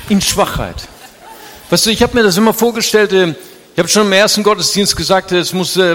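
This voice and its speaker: A man talking at a fairly quick pace, ordinary pitch variation, noticeable background noise behind him. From Brazil. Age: 50s. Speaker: pastor. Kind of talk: sermon.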